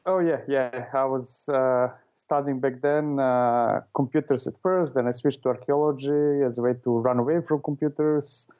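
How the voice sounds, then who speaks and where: A man's voice: medium pitch, fairly even intonation, normal speed, few pauses, warm tone. Serbian-born man, dull lo-fi sound. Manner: hesitant, many fillers and restarts. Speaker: guest, author and consultant. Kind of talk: casual interview answers.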